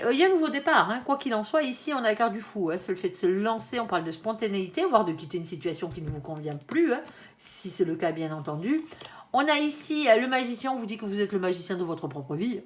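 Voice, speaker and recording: A woman's voice: medium pitch, animated, fairly quick. A woman reading tarot cards for her viewers in a chatty, casual way, often tagging her sentences with little asides. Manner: chatty, constant "hein", playful asides. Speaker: tarot reader.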